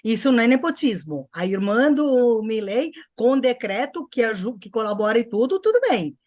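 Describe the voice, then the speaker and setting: A woman's voice: on the high side, big pitch swings, moderate pace, a little mellow, no echo, studio quality. A woman panelist in casual talk, speaking emphatically with ironic asides. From Brazil.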